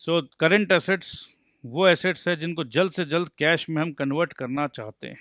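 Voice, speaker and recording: A man's voice: on the high side, normal speed, a bit bright, no echo, studio quality. A man teaching accountancy in a lecture, talking in a playful way, joking to explain points and answering his own questions as if he were a student. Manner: playful, mixes Hindi and English, jokes to explain. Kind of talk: recorded lecture.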